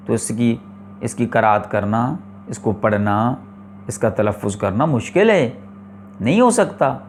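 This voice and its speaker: A man teaching the rules of Quran recitation, with a voice pitched a little higher than most men's. He explains slowly and deliberately, repeating each point and posing rhetorical questions. A faint hum runs underneath. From Pakistan. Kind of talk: religious classroom lecture.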